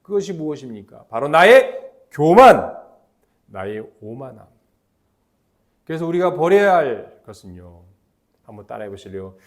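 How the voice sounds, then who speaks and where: A middle-aged man preaching a sermon as pastor, emphatic and lively, leading the congregation in call-and-response chants. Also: fairly high pitch, normal speed, pauses often.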